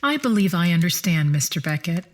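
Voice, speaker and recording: In an audio drama, an actress voices a composed, polite immortal attendant who speaks precisely and courteously, patient but guarded. Her female voice is fairly low-pitched, very animated and a little fast, with a patient, courteous mood.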